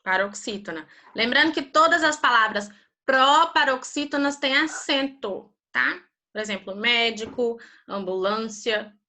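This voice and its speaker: A woman's voice: on the high side, animated, a little slow, pushed and bright. A woman teaching a primary school class on a video call, patiently drilling grammar terms with her students.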